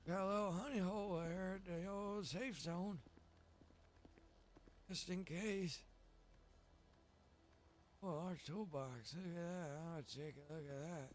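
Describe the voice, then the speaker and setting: A man's voice: high-pitched, slow, long pauses, a little hiss or hum. A man giving casual, rambling live commentary as he plays a game, muttering to himself. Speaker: game streamer.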